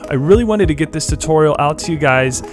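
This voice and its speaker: A young man with a stuffy head cold, giving friendly step-by-step instructions in a software tutorial voice-over. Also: on the high side, expressive, fast, over music. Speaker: blogger teaching a software tutorial. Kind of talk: screen-recorded tutorial voice-over.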